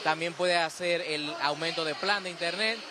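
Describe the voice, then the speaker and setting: A young Dominican man at an expo fair stand, rattling off prices and plans into a handheld mic. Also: steady tone. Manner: quick sales pitch listing prices. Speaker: company representative. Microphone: interviewer's handheld mic. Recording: noisy fair hall.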